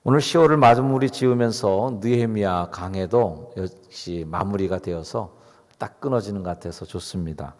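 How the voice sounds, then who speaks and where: A man's voice: on the low side, moderate pace, a little mellow. A middle-aged man, a pastor, preaching a sermon in a conversational, chatty way, asking the congregation questions. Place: church sanctuary. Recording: long reverb of a church hall.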